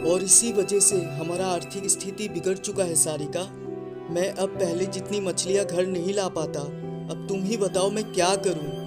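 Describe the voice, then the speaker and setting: A man's voice: high-pitched, steady tone, moderate pace, loud music behind the voice, natural voice. A man playing a meek, worried fisherman and family man in a cartoon, humble in manner. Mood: troubled. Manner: pleading, humble. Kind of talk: Hindi cartoon story acting.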